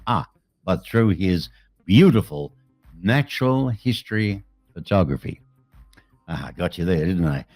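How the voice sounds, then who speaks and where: A man's voice: sits low, expressive, measured pace, long pauses, darkish tone, no room sound, faint music behind. An Australian man hosting a casual interview show in a chatty, matey, colloquial way. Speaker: show host.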